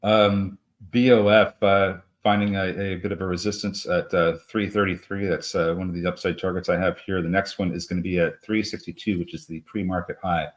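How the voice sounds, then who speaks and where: A man co-hosting a live trading show, talking through price targets in a halting way with many fillers and restarts. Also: low-pitched, little pitch movement. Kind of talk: live market commentary.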